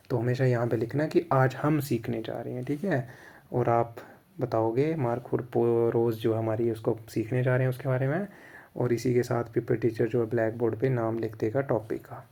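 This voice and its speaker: A man's voice: mid-range voice, vocal fry, dark tone. A man with an Indian accent explains a lesson plan in casual instructional Hindi mixed with English, often checking "theek hai".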